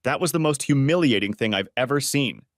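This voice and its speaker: An anxious, humiliated husband pleads and worries aloud, as a male narrator reads him. His pitch moves a lot. The recording is dry and close. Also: lively intonation, fairly quick, no echo, close to an everyday voice. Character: anxious humiliated husband, middle-aged man.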